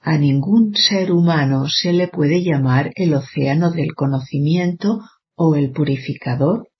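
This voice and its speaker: Brief: sermon reader, formal and measured, speaks to the flock as children, middling pitch, muffled low-fi recording. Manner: measured, even, addresses listeners as children. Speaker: reader of a spiritual discourse. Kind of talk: formal scripted reading of a sermon.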